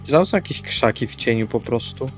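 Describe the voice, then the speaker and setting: A man's voice: mid-range voice, lively intonation, brisk. A man playing in a tabletop roleplaying game, talking casually both in and out of character. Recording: background music with guitar. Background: guitar music.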